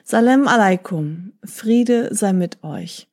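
A woman's voice: mid-range voice, lively intonation, slow pace, darkish tone. A woman voicing a clever talking parrot. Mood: persuasive. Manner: pleading, then smoothly persuasive. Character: clever talking male parrot, polite and persuasive. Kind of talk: storybook reading.

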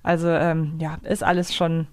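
A woman's voice: low voice, flat delivery, moderate pace, a little mellow, clear, resonant tone, dry recording, clean studio sound. A woman co-hosting a podcast, casually discussing and explaining her opinions in loose, reflective asides. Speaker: podcast co-host. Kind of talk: casual discussion of an audio drama episode.

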